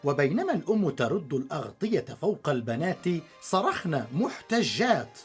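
A woman narrating a storybook drama with an expressive, measured delivery. Her voice is fairly low for a woman but ranges widely in pitch, over soft background music.

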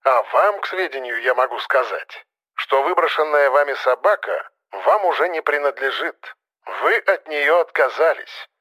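A man voicing a calm, authoritative man speaking over a phone line, cool and measured, in an audiobook. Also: on the high side. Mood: stern.

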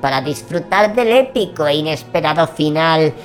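Woman voicing Tío Creepy, grandiloquent old horror host, animated. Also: deep voice, moderate pace, soft background music. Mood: sly, ominous. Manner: grandiloquent, mock-grumbling, addressing listeners as creatures. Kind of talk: theatrical horror anthology hosting.

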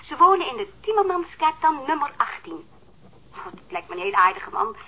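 A woman's voice: sits high, big pitch swings, fairly quick, bright, forceful tone, full character voice. An actress in a radio drama playing an anxious, apologetic mother on the telephone, hesitant and stammering. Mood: hesitant, eager. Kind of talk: Dutch radio drama acting. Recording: telephone line with audible noise.

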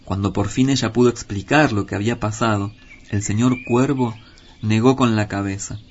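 Man reading a children's tale aloud. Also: fairly low pitch. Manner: measured, expressive reading. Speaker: storyteller. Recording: dull lo-fi with faint hiss.

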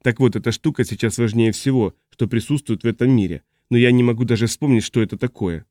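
A man reading the part of a confused, agitated man who has lost his memory, in a fretful, halting way. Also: mid-range voice, warm tone, no room sound, studio quality, lightly acted. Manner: fretful, halting, trailing off mid-sentence. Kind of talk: audiobook character reading.

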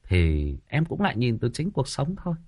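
Người dẫn livestream giọng Bắc sinh động. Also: male voice, medium pitch, huge pitch swings, moderate pace, dark tone. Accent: Northern Vietnamese. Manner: chatty, full of fillers and repetition. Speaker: livestream host, storyteller. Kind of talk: casual livestream chat.

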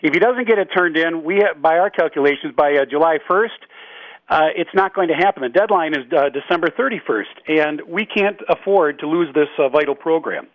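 A man, a state representative, talking earnestly on a phone-in interview, pausing often with filler sounds. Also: fairly high pitch, lively intonation, dry recording. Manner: halting, with many filler sounds; tells stories earnestly. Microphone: telephone. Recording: dull, dry phone line.

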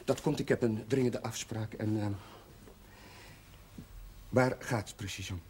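An actor with a Netherlands Dutch accent playing a flustered, evasive but kindly Catholic chaplain in a television drama, speaking hesitantly and haltingly. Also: male voice, fairly low pitch, steady tone, close to an everyday voice. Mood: embarrassed, evasive. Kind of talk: naturalistic television drama acting. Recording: noisy old television soundtrack.

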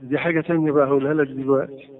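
A man's voice: mid-range voice, steady tone, very fast. An Egyptian man teaching a religious lesson, quizzing his class with repeated questions. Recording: tinny lo-fi lecture recording.

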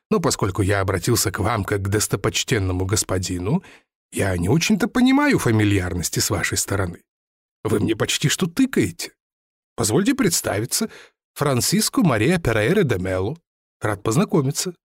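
A man's voice: medium pitch, sing-song, fairly quick, husky, no echo, clean studio sound. A man reading an audiobook, voicing a touchy, formal older lottery seller who talks in a pompous, stiffly polite way. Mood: indignant.

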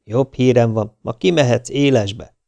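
A man voicing a steady male nurse who calmly instructs and looks out for a younger colleague, in an audiobook. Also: medium pitch, vocal fry, no echo, natural voice. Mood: instructive. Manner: calm, instructive. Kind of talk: audiobook character voice.

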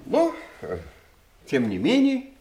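An actor in a Soviet audio drama playing an uneasy, defensive middle-aged family lawyer, hesitant and formal, in a roomy recording. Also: male voice, sits high, wildly swooping pitch, slow pace, warm tone, a little hiss or hum, exaggerated voice. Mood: uneasy, careful.

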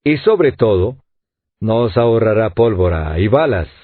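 A man voicing a calm, measured engineer in an audiobook, with a husky voice. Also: fairly low pitch, dry recording. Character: calm learned male engineer, leader. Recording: dry, tinny phone-like sound.

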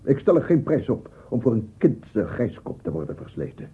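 An actor playing a tormented, easily offended old man in a radio drama, brooding and halting in his speech. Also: medium pitch, very animated, husky. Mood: indignant, wounded. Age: older. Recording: dull, noisy old radio play recording.

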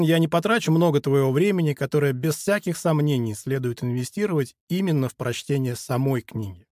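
Brief: male author in his forties, reading his own book aloud, earnest and steady, voice a shade high, dry close sound. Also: no room sound. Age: 40s. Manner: measured, earnest, addresses listener directly. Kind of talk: audiobook narration.

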